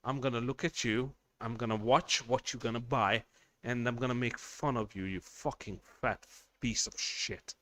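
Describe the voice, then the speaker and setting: A man's voice: medium pitch, steady tone, normal speed, a bit bright. A man hosting a casual livestream, chatting with viewers, reading their messages and swearing bluntly as he rambles. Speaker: livestream host.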